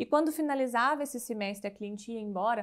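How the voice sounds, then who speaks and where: The background is quiet. A woman speaks with a fairly high pitch. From Minas Gerais, Brazil (small interior town). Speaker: beauty entrepreneur and cosmetologist; interview guest. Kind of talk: interview. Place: studio. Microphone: lapel.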